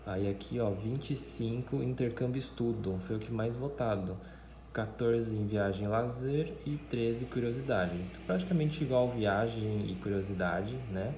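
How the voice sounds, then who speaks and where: A man's voice: mid-range voice, normal speed, a little mellow. A man whose first language is Mandarin, a teacher chatting casually with his viewers and filling his talk with "né" and "tá". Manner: chatty, many fillers and tag questions. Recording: echoey room, faint background noise.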